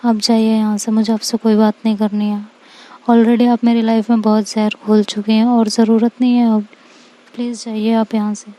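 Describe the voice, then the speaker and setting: A woman's voice: a little high, little pitch movement, normal speed, lightly acted, rough recording. A woman doing a hurt, snappish teen girl. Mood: upset. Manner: sharp and dismissive. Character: angry heartbroken teenage schoolgirl Ishika.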